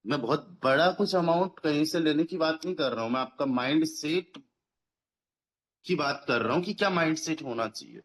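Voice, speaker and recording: A man in his thirties talks as a team leader pitching a business, his voice sitting a little higher than most men's. He is persuasive and keeps repeating phrases to drive a point home, sprinkling English words through his talk. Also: expressive, normal speed, fairly bright tone. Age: 30s. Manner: mixes English words into Hindi. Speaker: network marketing team leader.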